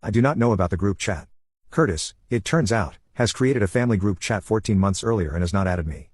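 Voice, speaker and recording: A man in his thirties from the United States narrating a scripted first-person story in a measured, deliberate way, with a husky voice. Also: lowish voice, expressive, a little mellow, no echo, studio quality. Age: 30s.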